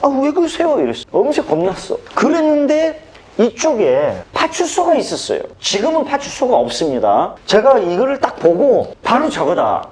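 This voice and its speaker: Animated, high-pitched male storyteller. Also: normal speed. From Busan, South Korea. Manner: dramatic, expressive storyteller. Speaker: motivational speech coach.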